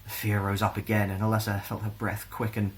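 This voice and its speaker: Male storyteller, Scottish, low voice, gentle and expressive reading of children's fantasy. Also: fairly quick, a little hiss or hum, low-quality recording. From Scotland.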